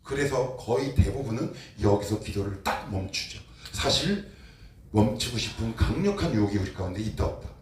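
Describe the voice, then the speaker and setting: A man's voice: on the low side, lively intonation, normal speed, darkish tone. A man preaching a sermon as pastor, putting rhetorical questions to the congregation with emphatic, rising delivery. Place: church sanctuary. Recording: echoey church hall, distant mic, faint noise.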